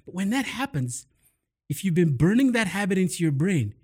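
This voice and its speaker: A man hosting a casual chat, explaining mindset habits in an upbeat, quick way. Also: high voice, sing-song, mellow, breathy edge. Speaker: host and mindset coach.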